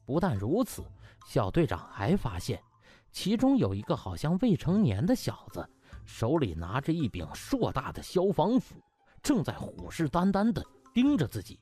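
A man's voice: on the high side, wildly swooping pitch, moderate pace, mellow, husky. A man narrating a comic audiobook in a colloquial, theatrical way. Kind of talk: animated comic storytelling. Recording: music under the voice.

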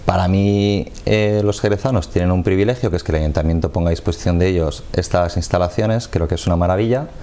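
A man, a football coach explaining his sport in a measured way during a TV studio interview on a lapel mic. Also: low voice, dark tone. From Madrid, Spain. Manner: measured, explanatory, gestures with hands.

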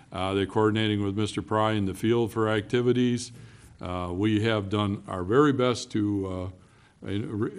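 Low-voiced city manager giving a report. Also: male voice. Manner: halting, many fillers. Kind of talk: council meeting report. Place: city council chamber.

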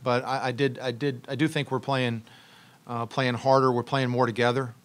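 A man's voice: medium pitch, level tone, a bit bright. A middle-aged man, a head basketball coach, answering postgame press questions in a press room, speaking into a table mic with frequent restarts and ums. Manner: halting, many restarts and ums, thoughtful. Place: press room with logo backdrop, seated at table. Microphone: table mic on stand.

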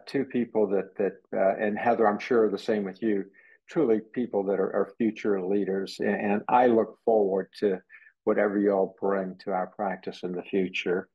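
A man speaks haltingly on a video call, with a lot of "uh". His voice is low and husky. The line sounds dull and lo-fi. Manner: halting, many fillers. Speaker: participant. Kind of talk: casual appreciative comment.

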